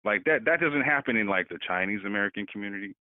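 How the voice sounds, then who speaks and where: A man's voice: lowish voice, expressive, fast talker, no echo. A man co-hosting a casual political discussion, talking animatedly and repeating words as he builds his points. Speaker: podcast co-host. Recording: tinny phone-line sound.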